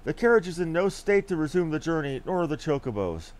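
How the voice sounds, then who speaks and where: A man's voice: fairly high pitch, big pitch swings, fast, darkish tone. Formal, shaken coachman for a fantasy game, done by a male streamer, lightish voice, very varied intonation. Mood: grave, apologetic. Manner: formal, archaic storybook phrasing. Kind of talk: reading game dialogue aloud in character.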